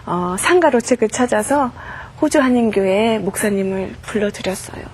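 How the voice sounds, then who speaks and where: A woman's voice: mid-range voice, expressive, normal speed, darkish tone, slight background noise. A middle-aged woman giving a heartfelt testimony as a guest on a Christian talk show, telling her story earnestly. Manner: earnest storytelling, acts out quoted prayers and dialogue.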